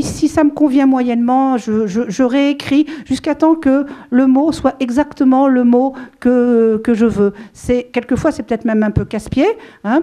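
A warm, rather high voice belongs to a middle-aged French author speaking at a book event. Holding a handheld mic, she talks informally about her writing to a seated audience in a small room, wandering off track with many fillers and restarts.

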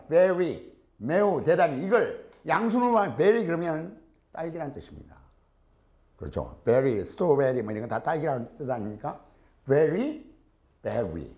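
A man's voice: a little high, darkish tone. A man teaching a lesson, repeating example words in pairs to show how each sound is made and asking the listener checking questions. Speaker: language teacher. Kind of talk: lecture.

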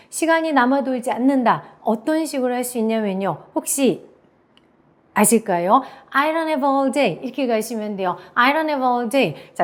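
Lively woman teaching phrases. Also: a little high. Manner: drills phrases slowly, checks in with listeners. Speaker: English teacher. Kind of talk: classroom lecture.

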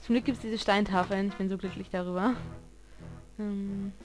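A woman's voice: medium pitch, steady tone, normal speed, over music, poor audio. A woman giving casual, chatty gameplay commentary, swearing at the game as she plays. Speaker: let's player.

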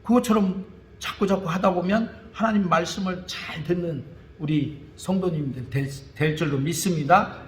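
A man's voice: high voice, moderate pace, slight background noise. A man from Chungcheong with a Chungcheong Korean accent, preaching a Sunday sermon in a folksy, anecdotal way, chuckling and repeating words as he goes. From Chungcheong, South Korea. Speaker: pastor. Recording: echoey church hall.

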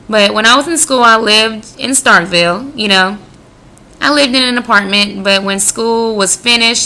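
A woman's voice: mid-range voice, pushed and bright. An American woman in her twenties from the Midwest, introducing herself informally for a radio audition in a conversational, self-promoting way. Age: 20s. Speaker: radio job applicant.

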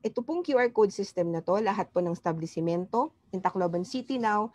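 A woman's voice: mid-range voice, lively intonation, quick pace, a little mellow, no echo. A middle-aged woman with a Filipino accent giving a formal, polite explanatory presentation as a physician over a video call. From Philippines. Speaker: public health physician speaking at a press briefing. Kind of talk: formal slide presentation, appeal. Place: indoor room, on a video call. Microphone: wired earphone mic on a video call.

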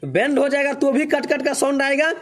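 High-voiced man explaining a bike repair. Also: steady tone, a little fast. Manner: step-by-step instructive, keeps pointing things out. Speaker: bike mechanic. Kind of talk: how-to repair tutorial. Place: motorcycle workshop.

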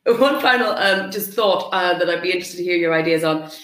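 A woman's voice: lowish voice, a little fast, fairly bright tone. Woman interviewer in a roomy video call. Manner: conversational, probing questions. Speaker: interviewer, tech reporter. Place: home room.

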